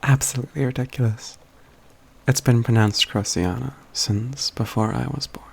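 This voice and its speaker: A man playing a calm, courtly mage companion in a soft-spoken ASMR fantasy roleplay, with measured, halting phrases that often drop to a whisper. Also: mid-range voice, vocal fry, slightly rough. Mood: amused teasing.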